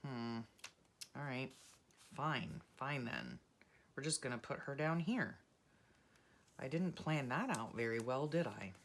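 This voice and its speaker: A woman vlogger chatting casually and rambling softly while she works on a journal craft. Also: very deep voice, sing-song, slow pace, pauses often. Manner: soft-spoken, rambling, self-deprecating, many fillers. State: frog in her throat.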